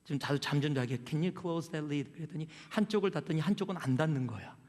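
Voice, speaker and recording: Man, pastor, sermon, high voice, long church-hall reverb. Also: a little fast, darkish tone. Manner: conversational storytelling with questions to the congregation. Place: church sanctuary.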